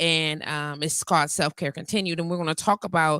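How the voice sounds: A woman speaks at a fairly quick pace, low in pitch, with a bright, sharp yet clear, smooth tone. Her intonation stays fairly even, and the sound is dry and close with no echo.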